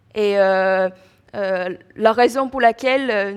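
A woman with a Chinese accent speaks with ordinary pitch variation on a very clean recording with a silent background. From China. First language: Chinese (speaking French). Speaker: student. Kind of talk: testimony. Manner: halting.

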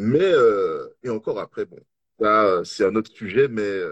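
Recorded with a dry, close sound and no echo, a man talks at a fairly slow pace. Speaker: film critic. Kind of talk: interview.

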